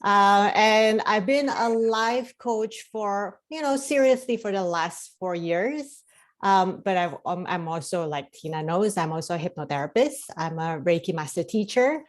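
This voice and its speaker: A woman's voice: medium pitch, measured pace. A middle-aged woman from Indonesia speaks as a guest in a casual interview. She rambles a little, with frequent fillers and restarts. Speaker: life coach and hypnotherapist guest.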